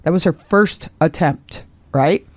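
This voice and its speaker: A woman in her sixties, a radio talk host, telling a personal story as a guest, exclaiming loudly and acting out quotes with big leaps in pitch. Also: slow, no echo.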